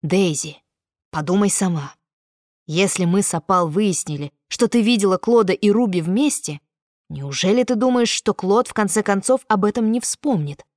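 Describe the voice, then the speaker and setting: A woman's voice: medium pitch, normal speed, a little mellow, no room sound, close to an everyday voice. Storybook federal agent, male and persuasive, read by a woman, mid-range voice, dry booth sound.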